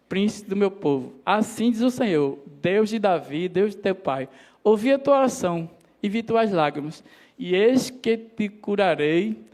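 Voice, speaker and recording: A man preaching a sermon in a church, calling the listeners his brothers and voicing God's words in a lower tone. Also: darkish tone. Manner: addresses congregation as brothers, quotes God in a lowered voice.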